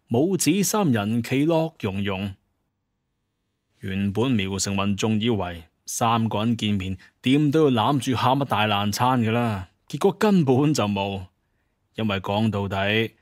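A man narrating a scripted story in colloquial Cantonese, with an expressive storyteller's delivery. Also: on the low side, no room sound, studio quality. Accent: Hong Kong or Guangdong Cantonese.

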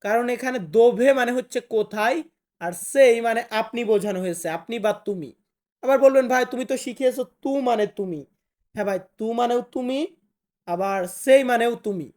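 A woman teaching a casual spoken language lesson, who explains patiently, repeats phrases slowly and answers imagined objections in a chatty way. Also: a little high, a little mellow.

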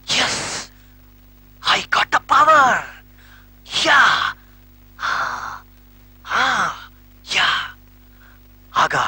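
An actor playing a TV self-help presenter guiding viewers to relax. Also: male voice, high voice, bright, forceful tone, slightly rough, dry recording, heavily acted, rough recording.

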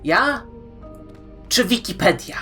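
A woman hosting online fan commentary, playful and emphatic, with dramatic pauses. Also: on the high side, big pitch swings, bright, forceful tone, soft background music. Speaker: YouTube host. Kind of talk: scripted fan-theory commentary to viewers.

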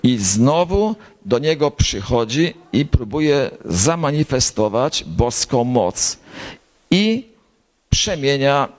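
An older priest preaches at an unhurried pace and speaks as if telling a story. His voice sits at an ordinary male pitch, and he now and then jumps up high to stress a point. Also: sing-song. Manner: slow storytelling, rising to high emphatic lines. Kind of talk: sermon. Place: gathering of bible circles.

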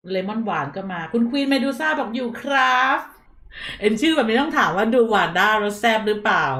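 A woman's voice: medium pitch, fairly bright tone. Chatty Thai-speaking woman streamer, roomy sound. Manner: chatty, reads out viewer chat. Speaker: streamer host. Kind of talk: casual live-stream chat.

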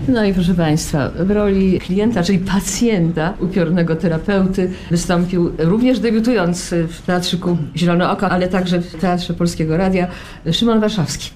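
A woman's voice: lowish voice, moderate pace. A woman presenter announcing credits live on stage in a ceremonious, emphatic manner. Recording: live festival stage, loud audience noise. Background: loud crowd.

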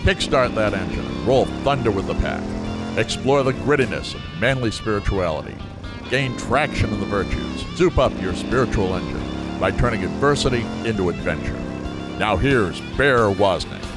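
A low-voiced man delivers a dramatic announcer intro with a lively, swooping pitch. Loud rock guitar music plays under him throughout the opening. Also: moderate pace. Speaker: show announcer. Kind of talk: scripted show intro over music.

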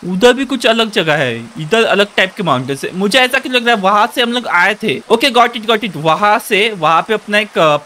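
A young man giving chatty, excitable commentary while he plays Minecraft. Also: high voice. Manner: excitable, chatty, Hinglish asides. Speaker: gaming YouTuber. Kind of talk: casual Minecraft gameplay commentary.

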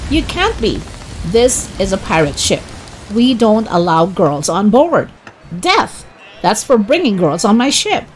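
A woman voicing a cruel, blustering male pirate captain with a black beard, domineering and loud, in a storybook. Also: medium pitch, very animated, unhurried, a little hiss or hum, rough recording. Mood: outraged. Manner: shouting, domineering. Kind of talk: storybook character voice.

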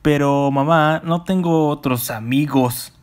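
A man's voice: on the high side, takes it slowly. A man voicing a grumpy, sarcastic teenage hedgehog hero in a cartoon, sounding exasperated.

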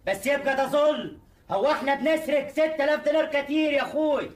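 An indignant merchant in a historical drama, protesting. He is quick and fairly high. He sounds off mic in an echoey room. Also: far from the mic. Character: indignant male merchant's partner. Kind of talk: historical film acting.

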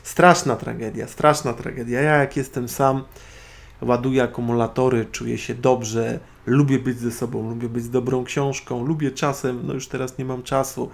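Gravelly-voiced man giving a sardonic monologue. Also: mid-range voice, a little mellow. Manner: sardonic, opinionated lecturing. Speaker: internet radio host. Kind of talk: solo spoken monologue.

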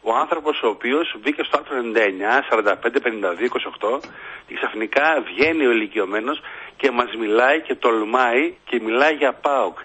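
Brief: husky-voiced male caller on a muffled radio line, rambling and mocking. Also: mid-range voice, pushed and bright. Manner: repetitive, mimics another caller's accent. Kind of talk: rambling mocking call-in rant.

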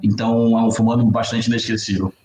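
A man in his thirties talks casually with a hissing sh sound for his s. He is on a video call from a small room at home, with clear echo and faint noise. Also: fairly low pitch, flat delivery, fast talker, a little mellow. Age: 30s. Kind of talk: casual chat. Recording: roomy echo, noisy video-call audio.

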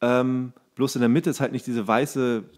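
A man co-hosts a relaxed conversational podcast. His voice sits at a medium pitch. He talks colloquially, with a joking, anecdotal way of putting things. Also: moderate pace. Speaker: podcast co-host. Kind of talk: casual chat about food with a friend.

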